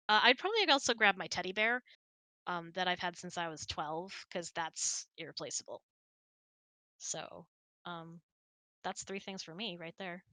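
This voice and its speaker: Bright-voiced woman chatting casually. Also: on the low side, dry recording. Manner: chatty, self-deprecating, thinks aloud. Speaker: host of an online hangout. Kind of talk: casual chat answering audience questions. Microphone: close mic on an online voice chat.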